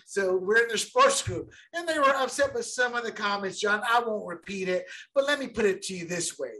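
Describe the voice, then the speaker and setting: A man co-hosting a casual sports podcast, talking in an animated, rambling way and repeating words as he gets going. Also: sits high, fairly quick. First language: bilingual since childhood. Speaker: podcast co-host.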